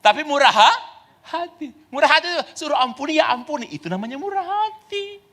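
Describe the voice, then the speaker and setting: A male pastor delivers a sermon in a high, bright voice. His pitch leaps wildly as he tells stories. He moves from loud exclamations to soft asides, laughing along the way. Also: big pitch swings, fairly quick. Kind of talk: lively sermon with storytelling. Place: church.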